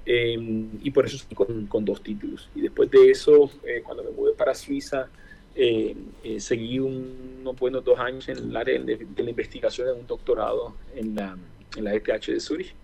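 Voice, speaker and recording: A man in his forties with a Caribbean Spanish accent from Barranquilla, answering casually in an interview with hesitant, drawn-out pauses. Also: medium pitch, fairly even intonation, vocal fry, dark tone, slightly rough. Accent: Colombian Caribbean Spanish (costeño, Barranquilla). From Barranquilla, Caribbean coast of Colombia. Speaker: interview guest, aviation engineer. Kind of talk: casual interview, personal reflection.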